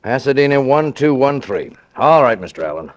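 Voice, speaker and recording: A man playing a brisk, formal police lieutenant in a vintage radio drama, speaking in a clipped official way. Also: mid-range voice, sing-song, lightly acted. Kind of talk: 1940s radio acting.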